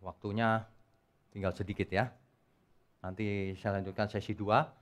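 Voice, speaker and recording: A man preaching a sermon at a church service, emphatic and animated, with loud peaks. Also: on the low side, unhurried. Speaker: pastor.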